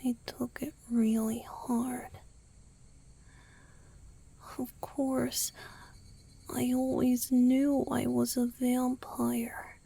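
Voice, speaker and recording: A woman playing a tender, guilt-ridden young male vampire boyfriend in a romantic ASMR roleplay, mostly whispering in a slow, halting, intimate way. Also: on the high side, level tone, vocal fry, dark tone, husky, exaggerated voice. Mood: somber, confessional.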